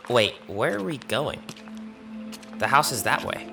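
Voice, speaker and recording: An actor playing a sheepish, affectionate schoolboy son in an audio drama, casual and questioning. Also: male voice, mid-range voice, big pitch swings, unhurried, vocal fry, over music. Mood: puzzled, uneasy. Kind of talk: audio fiction drama acting.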